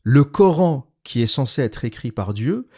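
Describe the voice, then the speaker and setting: A man in the middle of his range speaks, neither high nor low. He reads a passage and keeps stopping to explain and gloss it. His asides sound dry and sardonic. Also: very animated, unhurried, warm tone, breathy edge. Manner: explanatory, restating terms. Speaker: video commentator. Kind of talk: critical commentary reading and glossing a text.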